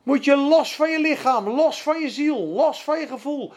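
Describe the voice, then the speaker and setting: A woman preaching a sermon with fervent emphasis, asking her own questions and answering them, swinging between soft and loud. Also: high-pitched, moderate pace.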